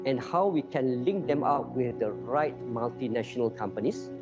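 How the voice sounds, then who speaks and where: A man speaking as an investment agency spokesperson in a promotional interview, measured and emphatic. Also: medium pitch, animated. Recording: dull lo-fi audio with music bed. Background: background music.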